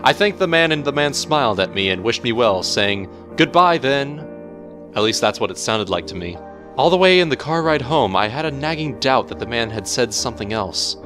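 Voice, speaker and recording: A man narrating a horror story in a measured, theatrical storytelling manner over music. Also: mid-range voice, animated. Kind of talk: dramatic horror story reading. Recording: music bed under the voice.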